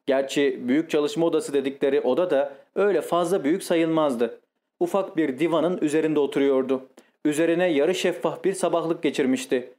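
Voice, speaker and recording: A man narrating a novel in the first person, in a steady, measured storytelling manner. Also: fairly high pitch. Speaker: audiobook narrator.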